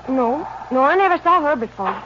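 A wary young American woman in a radio western, with a high voice. She answers evasively with feigned innocence. The old recording is muffled. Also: lively intonation, normal speed, a bit bright, a little hiss or hum. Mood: evasive, defensive. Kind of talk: 1950s radio acting.

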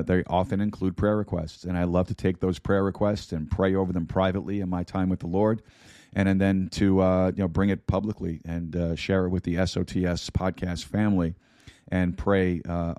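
A man hosting a sermon podcast, hoarse and raspy from losing his voice, talking to listeners in a folksy way with many fillers. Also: sits low, level tone, normal speed, mellow, no room sound, clean studio sound. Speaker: podcast host and Bible teacher. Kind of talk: casual sermon-podcast talk.

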